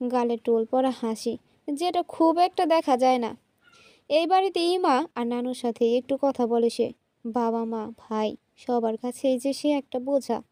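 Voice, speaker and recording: Woman storyteller, emotive scripted narration; high and mellow. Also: no room sound.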